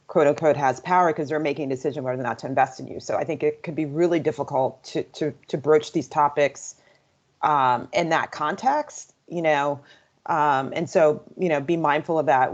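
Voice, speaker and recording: A woman investor gives advice on a panel in a measured, steady way. Her voice is very low for a woman. The audio sounds dull and lo-fi. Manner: measured, frequent "you know". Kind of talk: casual panel discussion. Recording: muffled lo-fi video call audio.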